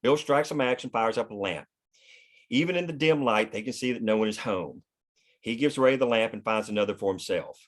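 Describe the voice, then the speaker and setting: A man's voice: on the low side, brisk. A man reading scene headings and action lines as the narrator of a screenplay. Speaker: stage-direction reader.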